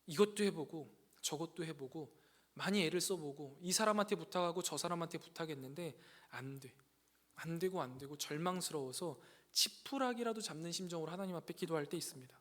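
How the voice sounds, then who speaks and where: A man preaching a sermon to young adults, earnest and full of rhetorical questions, building louder on key points. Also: fairly high pitch, brisk. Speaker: pastor. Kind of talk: sermon to a youth congregation. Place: church sanctuary. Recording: church hall reverb.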